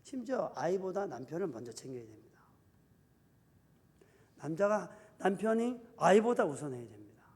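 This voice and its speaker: A male pastor preaching an animated sermon in a church, acting out quoted husbands and wives as he goes. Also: sits high, moderate pace, long pauses. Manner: animated preaching, acts out spouses' quarrels in quoted voices. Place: church sanctuary. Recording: reverberant church hall.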